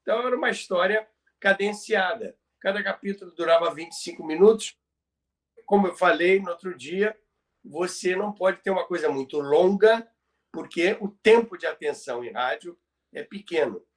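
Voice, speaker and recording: Speaking at a moderate pace in a high-pitched voice, this Brazilian presenter walks through radio history like a casual lecturer. He teaches step by step and says key phrases again to stress them.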